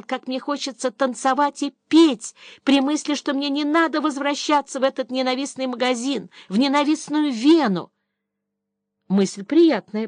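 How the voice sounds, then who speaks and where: A woman reading an audiobook voices a young Austrian woman speaking to her lover in a warm, effusive, tender way. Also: sits high, dry recording, studio quality.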